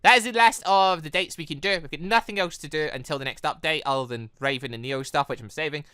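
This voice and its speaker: A gaming video host giving casual, excitable commentary, rambling and thinking aloud with frequent self-corrections. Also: medium pitch, fast talker, clear, resonant tone, no echo.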